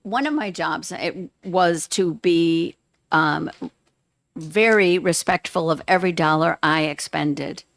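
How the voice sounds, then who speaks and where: A retired educator, a woman, giving measured, earnest public testimony at a hearing. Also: lowish voice, fairly bright tone. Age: older.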